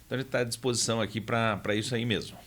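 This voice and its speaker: A man's voice: medium pitch, steady tone, racing, fairly bright tone. A man in his fifties from southern Brazil, a guest in a radio studio interview, speaking hesitantly with frequent fillers and restarts. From Paraná, Brazil. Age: 50s. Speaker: guest, honorary consul.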